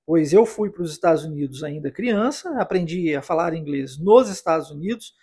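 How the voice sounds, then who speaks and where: A husky-voiced man from Brazil teaches English on his podcast. He speaks fairly high and explains each point patiently, often pausing to check in with the listener. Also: expressive, mellow. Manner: encouraging, explanatory, frequent tag questions. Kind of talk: podcast lesson addressing listener.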